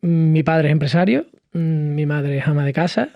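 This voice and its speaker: A man from Cádiz in his thirties talks with animation as a podcast guest, with plenty of "eh" and restarts. His voice sits a bit high. The recording is dry and a little muffled, with faint music underneath. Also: normal speed, vocal fry, no room sound. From southern Spain, Cádiz. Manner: animated storytelling with many fillers and restarts. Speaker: podcast guest, hospitality entrepreneur. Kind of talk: conversational interview.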